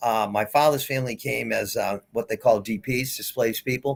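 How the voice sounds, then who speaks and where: In a very clean recording with a silent background, a man speaks at a moderate pace and medium pitch. He has an ordinary speaking voice. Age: 60s. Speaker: golf club owner and political activist. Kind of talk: casual interview. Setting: podcast.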